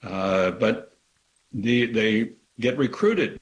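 Low-voiced man, earnest and emphatic. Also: very slow. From Kansas, USA. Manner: earnest, grows emphatic with sharp pitch rises. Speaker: author guest. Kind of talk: interview answers.

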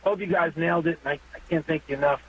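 A man in his fifties calling in to a radio show, talking earnestly and haltingly, with many pauses and fillers. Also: a little high, fairly bright tone, slight background noise. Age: 50s. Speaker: caller. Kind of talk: phone-in call to a radio show. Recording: dull phone line.

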